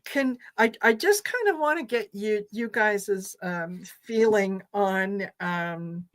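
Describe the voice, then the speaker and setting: A woman from Croatia whose first language is Croatian, chatting casually as a co-host and sometimes pausing to search for words. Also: medium pitch, expressive. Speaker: tarot show co-host. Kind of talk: casual chat.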